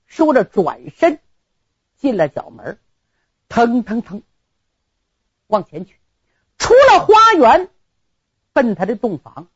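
Woman storyteller, traditional tale, higher voice, husky, dry close recording. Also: wildly swooping pitch, slow pace, pauses often, no room sound, dull audio. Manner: dramatic, sound words and asides to listeners.

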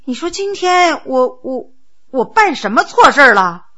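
A woman's voice: high-pitched, big pitch swings, a little slow, fairly bright tone, dull audio, heavily acted. A woman storyteller voicing a Qing prince, a grown man who gives harsh orders and then stammers in confusion. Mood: flustered. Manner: commanding, then flustered and stammering. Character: Qing prince, middle-aged man, stern official turned bewildered.

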